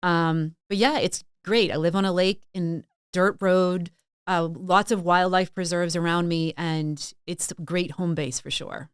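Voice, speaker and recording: Low-pitched, smooth-voiced woman guest. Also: steady tone, unhurried, no room sound, clean studio sound. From Massachusetts and Maine, USA. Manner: chatty, storytelling, frequent "like" and "um". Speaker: podcast guest, sales consultant and author. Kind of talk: casual interview chat.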